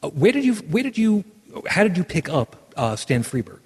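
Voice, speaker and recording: Broadcasting from a virtual world, a man hosting a podcast rambles in a casual chat and keeps restarting. His voice sits high and is very animated, with a darkish tone, breathy edge, and moderate pace, all in echoey, washed-out room sound.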